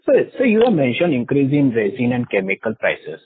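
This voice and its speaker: A man, an analyst asking halting questions on an earnings call. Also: mid-range voice, sing-song, slightly rough, dry recording. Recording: dry phone-line conference call audio.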